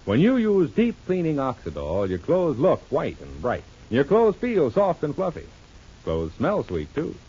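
A man announcing on an old radio broadcast, pitching a product and then narrating the soap opera in an emphatic, selling manner. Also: wildly swooping pitch, measured pace, warm tone, slightly rough. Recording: dull lo-fi old radio recording, faint music.

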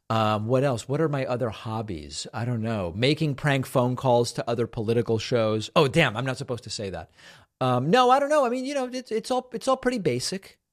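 A man hosting a call-in talk show, thinking aloud in a measured way with frequent restarts. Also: fairly low pitch. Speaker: host.

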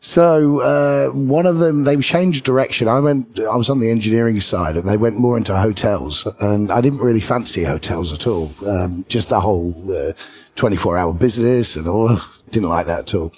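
A middle-aged man with a British English accent and a rough, husky, lowish voice. He tells his stories as an animated guest, chuckling between lines. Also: normal speed. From England. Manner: lively raconteur who chuckles between lines. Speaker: podcast guest. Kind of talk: anecdotal storytelling in an interview.

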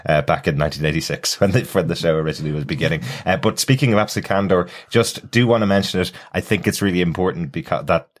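A man with a very low, deep voice co-hosts a relaxed TV-review podcast. He talks in a chatty, analytical way and often breaks into laughs mid-sentence. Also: fast, few pauses. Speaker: podcast co-host. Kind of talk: casual chat reviewing a TV episode.

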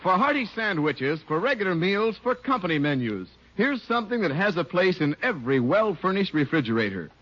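A male announcer reading a cheese commercial in a smooth, salesy 1950s radio style. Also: high-pitched, sing-song, fairly quick, few pauses, a faint crowd. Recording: muffled old radio broadcast.

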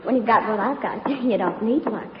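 An actress playing a sly, self-assured movie star in a 1940s radio comedy. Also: female voice, medium pitch, normal speed, noisy background, lightly acted. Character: confident young movie actress, scheming and sly. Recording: echoey, lo-fi old radio broadcast.

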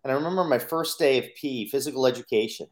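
As a podcast guest, a man earnestly tells his own life story, acting out his inner thoughts as quotes. His voice is medium-pitched and his pace quick.

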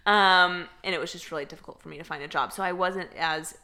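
A woman's voice: fairly low pitch, fairly even intonation, quick pace, sharp tone. A woman in her twenties with an American accent, chatting casually on a podcast with lots of fillers and easy laughter. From United States. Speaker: podcast co-host. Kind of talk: casual chat.

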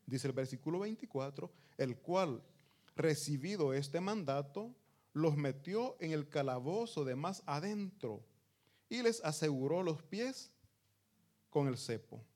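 A pastor delivers a sermon in a voice set a little high for a man. He reads scripture slowly and with weight, then swells to loud emphasis before dropping to near-quiet asides. He speaks warmly and directly to his congregation as brothers. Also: lively intonation. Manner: preaching with sudden loud rises and soft drops; addresses listeners as brothers.

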